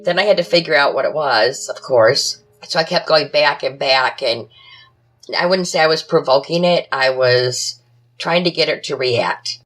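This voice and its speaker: Here the podcast guest's voice is low-pitched but fairly bright in tone, moving at a moderate pace. She narrates her personal brushes with the paranormal in clipped, dramatic, matter-of-fact phrases, like she's chatting with someone.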